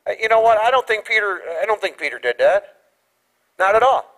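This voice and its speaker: A male pastor preaching a sermon, going from quiet talk to raised emphasis and acting out quoted lines. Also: high voice, fairly quick, poor audio. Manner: animated preaching that swings from quiet to raised and loud; acts out quoted lines in little voices. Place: church sanctuary.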